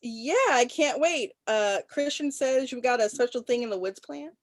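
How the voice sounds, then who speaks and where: A woman acting an awkward young student in a film script table read, halting and nervously polite. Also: a little high, dry recording, clean studio sound, close to an everyday voice. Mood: awkward, friendly.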